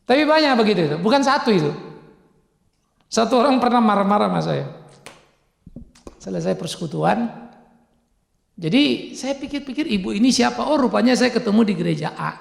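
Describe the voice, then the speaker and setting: A man preaching, a pastor telling humorous stories with lively acted dialogue and frequent laughter. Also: sits high, brisk, vocal fry, pauses often. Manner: humorous, animated, acts out dialogue, laughs often. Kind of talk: sermon with storytelling. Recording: echoey church hall.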